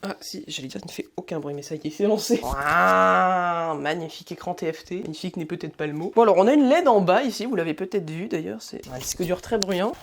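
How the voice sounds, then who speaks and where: Casual, swearing young tech vlogger. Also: male voice, high voice, animated, fast, few pauses, noisy background. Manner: muttering to himself, swearing casually, chuckling. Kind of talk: casual hands-on tech vlog commentary.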